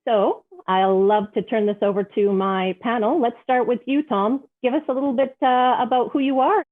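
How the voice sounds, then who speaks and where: A woman's voice: fairly high pitch, fairly even intonation, normal speed. A woman moderating an online panel of wine business guests, introducing each one in a friendly way. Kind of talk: hosting a webinar. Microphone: video call. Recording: tinny phone-like audio.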